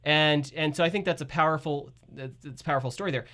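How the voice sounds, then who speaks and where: A man chatting casually as a radio drama producer, halting and circling back on his phrases. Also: fairly high pitch, sharp tone. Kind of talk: casual chat.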